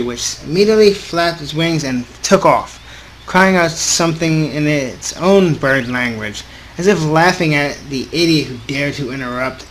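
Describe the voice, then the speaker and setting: A man hosting a gaming video, reading a visual novel aloud in an informal, halting way with casual off-script asides. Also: fairly high pitch, a bit bright, poor audio. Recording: clearly audible background noise.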